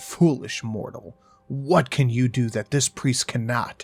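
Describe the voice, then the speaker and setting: A man's put-on character voice at medium pitch and a fairly slow pace, with faint music in the background. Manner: mocking, menacing.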